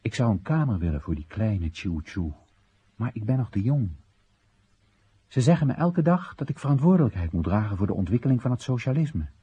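Earnest young man, very husky. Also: medium pitch, sing-song, brisk, warm tone, lo-fi sound. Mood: wistful. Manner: earnest, explanatory, emphatic. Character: earnest young Chinese man, dutiful and wistful. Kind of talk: radio play monologue.

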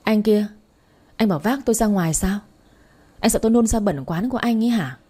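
A woman's voice: mid-range voice, lively intonation, normal speed, mellow, husky. A woman voicing a drunk, heartbroken young woman who slurs and pleads. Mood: slurring. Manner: slurred, pleading.

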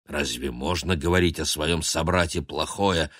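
Brief: male reader as a large, stern white cat; low, measured reproach. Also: dry recording, clean studio sound. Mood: reproachful.

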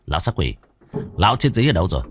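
A man voicing a short-tempered young male ghost hunter who scolds gruffly, in a spooky story. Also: deep voice, sing-song, fast, slight background noise, voice pushed down. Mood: scolding.

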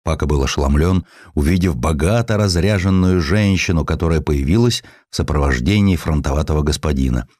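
A man narrating a literary audiobook in an expressive, dramatic and measured storytelling style. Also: extremely low pitch, no room sound, clean studio sound.

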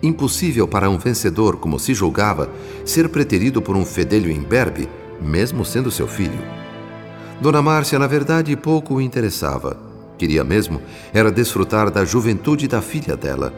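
A man narrating a radio drama from a script, solemn, measured and literary. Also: lowish voice, sing-song. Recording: long reverb, music behind.

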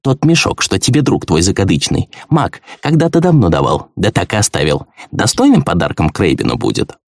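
A man voicing an emotional old woman who scolds and fusses in a shrill voice. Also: wildly swooping pitch, brisk, vocal fry, no echo, clean studio sound, full character voice. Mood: fussing. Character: older woman, tearful and fussing.

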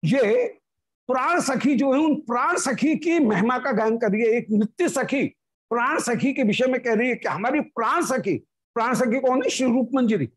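A woman giving a devotional discourse, reciting Sanskrit verses and then explaining them slowly. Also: fairly high pitch, expressive, husky. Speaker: spiritual discourse speaker. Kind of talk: devotional scripture commentary.

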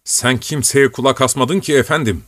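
A man's voice: mid-range voice, normal speed, fairly bright tone, no echo, voice pushed up, natural voice. A man reading an audiobook voices a fussy old servant who scolds his young master in a grumbling, raised tone. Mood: scolding.

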